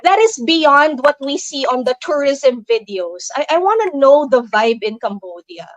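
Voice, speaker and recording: A woman's voice: high voice, expressive, normal speed, dry recording, low-quality recording. A young adult woman hosting a casual interview over a video call, chatty and curious, with many fillers. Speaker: host.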